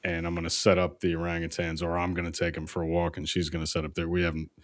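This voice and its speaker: A man with a very deep voice talks through a casual podcast chat. He rambles and swears, stacking "uh" and "you know" as he goes. His sound is close and dry. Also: monotone, fast, no room sound. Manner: rambling, profane storyteller with many fillers. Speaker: podcast co-host.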